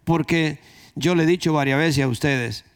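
Dominican preacher with a higher-pitched male voice. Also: moderate pace, clear, resonant tone. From Dominican Republic. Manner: emphatic repetition of phrases. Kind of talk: conversational sermon.

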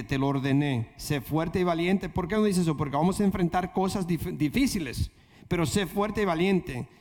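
A man preaching a sermon and then leading a prayer. His voice sits a bit high and he repeats phrases with earnest emphasis. The sound carries a long reverb like a large church hall. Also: darkish tone. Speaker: pastor.

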